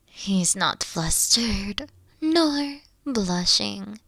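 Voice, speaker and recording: Woman playing a slow, coy, mature queen. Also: medium pitch, lively intonation, a bit bright, no echo, exaggerated voice. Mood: regal, coy. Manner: slow, breathy, coy delivery. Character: mature regal queen, teasing, flirtatious, secretly protective. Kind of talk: roleplay audio acting.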